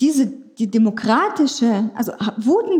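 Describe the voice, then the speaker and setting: A woman's fairly high-pitched voice with a Ukrainian accent, at a fairly slow pace with ordinary pitch variation. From western Ukraine. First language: Ukrainian (speaking German). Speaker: Eastern Europe expert. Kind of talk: panel discussion.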